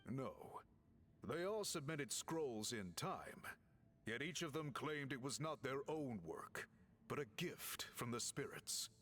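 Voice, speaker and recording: An actor playing a tall, courteous tribal chief in a video game, formal and measured with slight hesitations. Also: male voice, medium pitch, animated, fairly bright tone, slight background noise. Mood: explaining solemnly. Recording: faint music behind.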